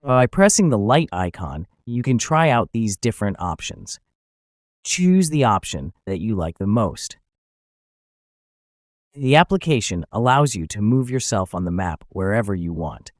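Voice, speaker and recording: A man's voice: lowish voice, big pitch swings, measured pace, dry recording, studio quality. Man narrating an app tutorial. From Finland. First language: Finnish. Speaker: YouTube channel host.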